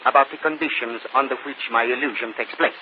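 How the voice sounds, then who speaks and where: An actor playing a proud, formal stage magician in a vintage radio drama. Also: male voice, mid-range voice, steady tone, quick pace, a little hiss or hum, natural voice. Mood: grand. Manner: formal, stately speech without contractions. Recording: muffled vintage radio broadcast.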